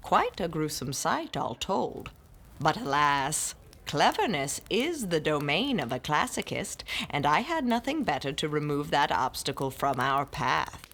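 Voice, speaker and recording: A woman's voice: low-pitched, sing-song, unhurried, fairly bright tone, heavily acted. A woman playing a shrewd, scholarly older classicist who tells tales and scolds her companions in a theatrical manner. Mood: grave. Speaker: narrator and lead character. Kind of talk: audio drama acting.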